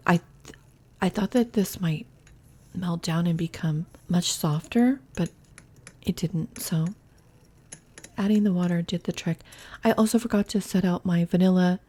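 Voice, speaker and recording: A woman's voice: on the low side, mellow. A woman hosting a home cooking vlog, chatting through each step in a casual, thinking-aloud way from her kitchen. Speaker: cooking channel host.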